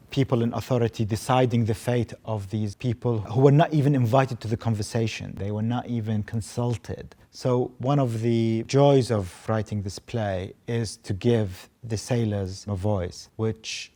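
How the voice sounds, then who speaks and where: A man's voice: lowish voice, a little slow, dark tone. A man, a playwright, talking reflectively in interview style.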